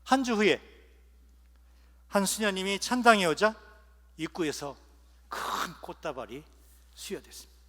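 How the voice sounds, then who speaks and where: Man, bishop, humorous sermon, bright voice, soft trailing phrase ends, long cathedral reverb. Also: high-pitched, animated, unhurried, pauses often. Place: large cathedral.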